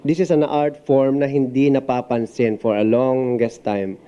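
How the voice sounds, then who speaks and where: A man's voice: mid-range voice, steady tone, measured pace, smooth, highs cut off. A Filipino-accented man, a voice talent, talking informally in an interview. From Philippines. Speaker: voice talent and company owner.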